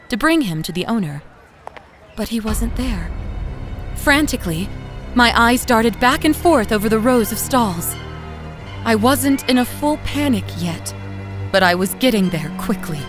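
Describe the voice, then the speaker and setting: An actress plays a young mother telling her story in the first person, in a mid-pitched voice. She is loving and a little anxious, an expressive, conversational narrator of an audio drama with faint music underneath. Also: lightly acted. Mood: reflective.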